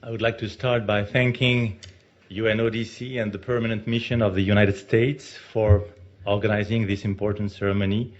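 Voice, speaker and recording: A man with a French accent giving a formal ceremonial speech as a diplomat, emphatic and measured, with stressed pauses. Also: on the low side, little pitch movement. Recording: muffled lo-fi recording.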